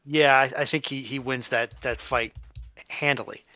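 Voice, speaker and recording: A man on the panel of a casual group chat, speaking in a measured, precise way and qualifying what he says, through a slightly dull lo-fi microphone. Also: mid-range voice, fairly even intonation, sharp tone.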